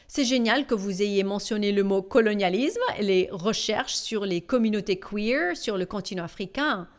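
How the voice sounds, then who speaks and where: A woman voicing a panel discussion in a measured, deliberate way, with small hesitations. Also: mid-range voice. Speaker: voice-over translator.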